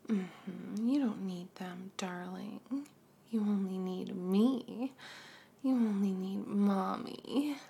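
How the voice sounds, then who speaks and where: A woman in a whispered adult ASMR roleplay, speaking close to the microphone in a breathy, coaxing hush broken by soft hums. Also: medium pitch. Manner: slow, coaxing, intimate delivery.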